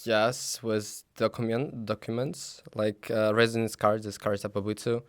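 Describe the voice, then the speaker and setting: Slow, measured young man, halting English. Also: fairly low pitch, level tone, clean tone, no room sound, clean studio sound. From Belarus. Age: young adult. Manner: halting non-native English with many fillers. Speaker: student interviewee. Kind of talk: casual interview answers.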